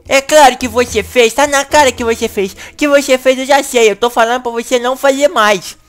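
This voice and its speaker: Excitable high-voiced woman in a game comedy. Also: faint music behind. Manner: excitable, whiny, fast bursts. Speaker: gaming channel host. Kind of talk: comedic video-game animation acting.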